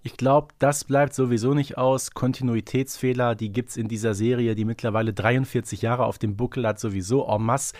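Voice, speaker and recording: A man's voice: medium pitch, steady tone, brisk, hardly any pauses, darkish tone, dry recording, clean studio sound. A man co-hosting a podcast, talking conversationally and a little wryly in a casual discussion. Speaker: podcast co-host.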